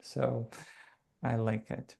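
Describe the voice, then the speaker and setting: A man's voice: mid-range voice, little pitch movement, slow, gravelly, warm tone. A man who is a stuttering coach, answering reflectively with occasional light stutters and fillers. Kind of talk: conversational interview.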